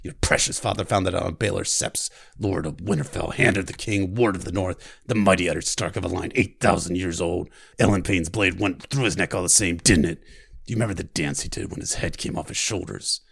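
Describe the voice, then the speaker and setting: A man voicing a scarred, hateful adult male warrior who speaks harshly and slowly in a low growl. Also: gravelly, a bit bright, breathy edge, heavily acted. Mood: menacing. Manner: harsh, growling, slow and taunting.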